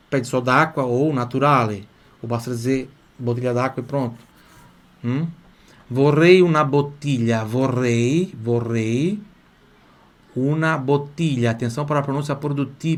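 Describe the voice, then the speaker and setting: Man teaching Italian phrases. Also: medium pitch. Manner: drills phrases slowly, asks students to repeat aloud. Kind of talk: live online lesson.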